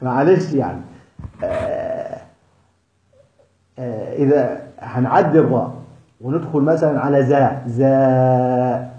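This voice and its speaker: A man's voice: medium pitch, dark tone. Egyptian male tajweed teacher, echoey lo-fi sound. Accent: Egyptian Arabic. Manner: jokes lightly, breaks into laughter; drills letter sounds slowly one by one. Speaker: Quran recitation teacher. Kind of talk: lecture on tajweed. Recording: echoey, dull lo-fi recording.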